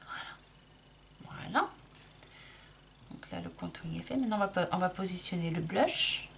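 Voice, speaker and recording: A middle-aged woman talks through her makeup routine in a relaxed, chatty way, stopping and restarting her sentences as she works. Her voice has a light gravelly edge. There is a faint hiss and some room ambience behind her. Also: lowish voice, fairly quick. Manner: chatty, explains while applying, frequent restarts and fillers. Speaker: makeup vlogger. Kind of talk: casual makeup tutorial.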